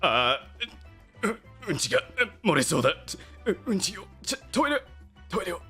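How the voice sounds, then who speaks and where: A shrill, frantic man needing a toilet. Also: big pitch swings, quick pace, soft background music, heavily acted. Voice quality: shrill, gravelly, yelling. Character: panicked man desperate for a toilet.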